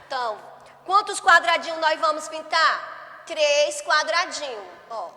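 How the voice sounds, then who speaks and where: A woman teaches young children, drawing out each syllable and pausing often to check that they follow. Her voice sits high and bright, and she speaks slowly. A long reverb trails behind her words. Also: animated. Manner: slow, drawn-out syllables, frequent "né?" and "certo?" checks. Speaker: primary school teacher. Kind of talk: remote class lesson.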